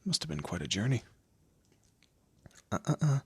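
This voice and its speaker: A man's voice: medium pitch, sing-song, moderate pace, husky, no room sound. A man voicing a smug, teasing demon lord in a scripted audio roleplay, with a theatrical, condescending manner and amused asides. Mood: amused, curious. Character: smug, teasing male demon lord, proud torturer and bureaucrat.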